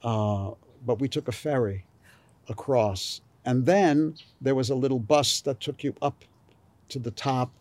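An older man from New York recalling his childhood in a slow, rambling interview, with many fillers. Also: mid-range voice, darkish tone. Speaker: author. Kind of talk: oral history interview.

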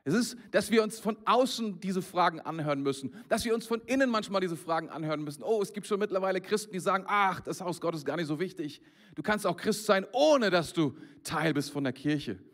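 A man with a high voice preaches to his congregation in a church service. He talks in a lively, direct way and often stumbles into restarts. His sermon style is informal but earnest. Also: a little fast. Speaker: pastor.

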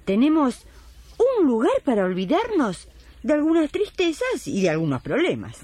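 An actress with an Argentine accent playing a spirited, sympathetic retired midwife in a radio drama, consoling and encouraging. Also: female voice, high-pitched, wildly swooping pitch, normal speed, warm tone, dry recording, heavily acted. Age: older.

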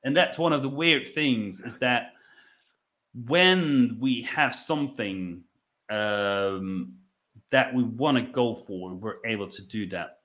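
Dutch man, reflective and halting. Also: mid-range voice, fairly bright tone. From Netherlands. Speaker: podcast guest, business owner. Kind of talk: conversational interview storytelling.

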